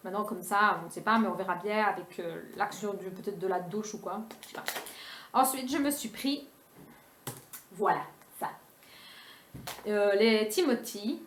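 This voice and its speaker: A young woman in a casual beauty haul vlog, talking quickly and chattily with many fillers. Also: mid-range voice, fairly bright tone, a little hiss or hum. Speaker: beauty vlogger. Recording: echoey room.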